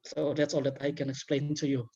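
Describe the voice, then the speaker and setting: A man from Timor-Leste whose first language is Tetun, a webinar panelist answering questions haltingly with many restarts. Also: medium pitch, level tone, dark tone, highs cut off.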